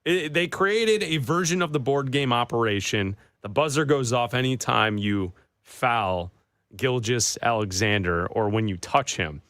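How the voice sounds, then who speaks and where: A man's voice: mid-range voice, unhurried, a bit bright, no echo, studio quality. A man hosting a sports radio show, telling stories in a loose, laughing way with fillers. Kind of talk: casual sports talk banter.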